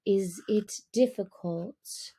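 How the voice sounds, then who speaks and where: A woman voicing a cunning male black panther with a soft, purring, courtly and deliberate way of speaking, in a storybook reading. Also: medium pitch, slightly rough. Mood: smooth, persuasive.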